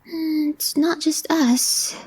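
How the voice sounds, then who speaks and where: A woman playing a calm, reserved, affectionate young girlfriend in a soft, intimate ASMR roleplay, often close to a whisper. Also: sits high, drawn-out words, low-quality recording. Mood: quiet, tender.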